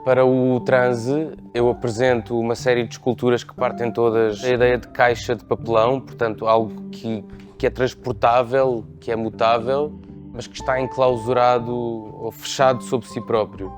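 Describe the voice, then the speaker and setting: A man's voice: mid-range voice, little pitch movement, normal speed. A man of thirty with a European Portuguese accent, describing his practice as an artist. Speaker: sculptor and painter. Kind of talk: artist talking about own work. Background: music.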